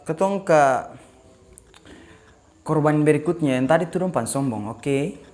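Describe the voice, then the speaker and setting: A man's voice: a little high, expressive, a little slow, a little mellow. A young man from eastern Indonesia with an Ambonese Malay accent, hosting prank calls in casual, playfully insistent banter. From Maluku, eastern Indonesia. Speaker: prank-call host. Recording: music playing behind.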